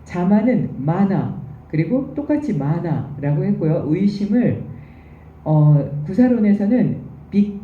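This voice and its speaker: A woman's voice: fairly low pitch, very animated, slow, slight background noise. A woman giving a recorded university lecture, explaining terms patiently and step by step. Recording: echoey, distant, dull room recording.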